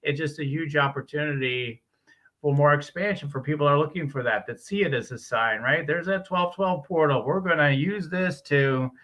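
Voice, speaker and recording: A middle-aged man speaks as a guest coach, earnest and upbeat as he explains spiritual ideas. His voice is bright and a little higher than most men's. The talk is casual and easygoing. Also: normal speed.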